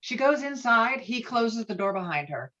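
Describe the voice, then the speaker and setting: A woman's voice: a little high, very animated, moderate pace, fairly bright tone. A woman reading stage directions as scripted narration, heard through muffled call audio.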